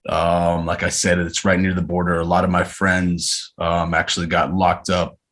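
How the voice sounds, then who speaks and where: Podcast guest, man in his 30s from Arizona, very low voice, thoughtful and hesitant delivery. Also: monotone, fairly bright tone. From Arizona, USA. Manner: reflective, unhurried, frequent hesitations. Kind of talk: casual interview chat.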